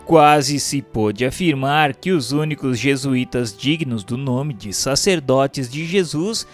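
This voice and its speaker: A man delivers a solemn, formal narration over music. His pitch moves expressively through long, declaimed sentences, in a mid-range voice. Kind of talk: solemn scripted narration of a spiritist history text.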